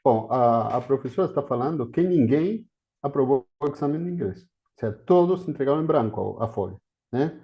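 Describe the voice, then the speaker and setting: Over a video call, a male historian of education from Argentina, speaking with an Argentine Spanish accent, delivers a guest academic talk full of hesitations, fillers and restarts. He sounds mid-range, animated and fairly quick, and the audio is lo-fi.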